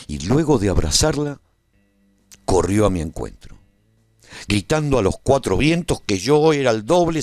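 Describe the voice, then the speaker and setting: Husky, dramatic warrior narrator. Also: male voice, fairly low pitch, darkish tone, no echo, exaggerated voice. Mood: moved. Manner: theatrical, with measured dramatic pauses. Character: brave male warrior narrating his adventure, awed and lovestruck. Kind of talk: dramatic scripted first-person radio serial narration.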